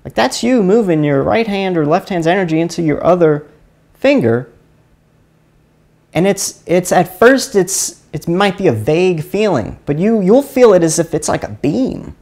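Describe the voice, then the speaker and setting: A man's voice: high-pitched, very animated, moderate pace, a little mellow. Rambling man with a Louisiana accent. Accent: Louisiana, Chalmette. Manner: rambling, fumbling, repeats words. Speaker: live stream host teaching energy healing. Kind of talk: casual live stream instruction.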